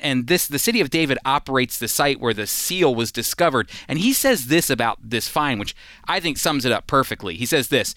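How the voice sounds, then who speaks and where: A man's voice: mid-range voice, fairly bright tone, no room sound, studio quality. A man co-hosting a Christian radio program, earnest and emphatic, teaching with fillers and restarts. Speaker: radio Bible teacher, co-host.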